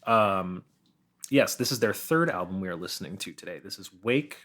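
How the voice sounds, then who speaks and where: A man's voice: sits low, animated, moderate pace, a bit bright. A man speaking as a podcast guest, chatting casually with friends.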